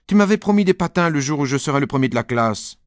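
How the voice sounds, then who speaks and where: A man voicing a boastful, excitable little schoolboy in a storybook reading, with a raised, whiny, indignant voice. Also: a little high, fast talker, no echo, clean studio sound, voice pushed up, close to an everyday voice. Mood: eager.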